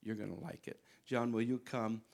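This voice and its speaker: A man's voice: medium pitch, steady tone, moderate pace, vocal fry, a little mellow, a little hiss or hum. A man in a church introducing the next speaker, heard from far off the mic. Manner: brief welcoming introduction. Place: church sanctuary.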